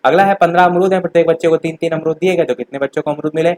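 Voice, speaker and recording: A young male teacher with a slightly high voice works through exam questions one by one. He talks straight to his students and goes back over the key points to make them stick. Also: steady tone, racing, a little mellow, poor audio. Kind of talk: exam revision lesson.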